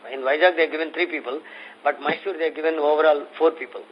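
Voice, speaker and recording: A man with an Indian accent answering investor questions as a company executive on an earnings call, explaining in a halting way. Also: fairly high pitch, steady tone. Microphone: conference call phone. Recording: muffled conference phone line with noise.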